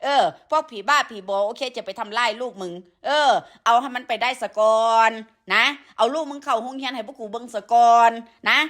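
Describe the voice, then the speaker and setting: A woman's voice: on the high side, brisk, hardly any pauses, fairly bright tone. A woman with an Isan Thai accent and a sore throat from a cold, ranting crudely and scolding at length in a live stream, with many fillers. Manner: crude, scolding, heavy with profanity; peppers talk with fillers. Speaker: livestreamer addressing followers.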